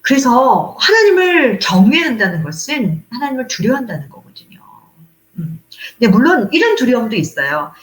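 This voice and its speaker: A woman's voice: a little high, moderate pace, roomy sound. A middle-aged woman missionary preaching a sermon, acting out the voices of the people in her stories. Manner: animated, acts out quoted voices of people and God.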